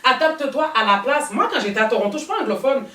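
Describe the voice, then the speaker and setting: A woman hosting a casual panel chat, talking in animated, rambling bursts. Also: high voice, fast talker. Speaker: talk show host. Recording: roomy studio sound, mic at a distance.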